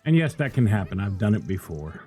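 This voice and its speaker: A middle-aged man talks through his game in a casual way. His voice is lowish and soft-edged, dark in tone. He thinks aloud as he plays and reads out item names. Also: sing-song, a little fast, soft background music. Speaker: gamer playing and commenting. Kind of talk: casual gameplay commentary.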